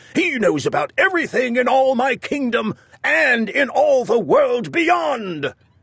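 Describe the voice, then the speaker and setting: Using a put-on character voice, a man speaks at an extremely high pitch and a fairly slow pace, his loudness very even throughout. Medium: read story. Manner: commanding.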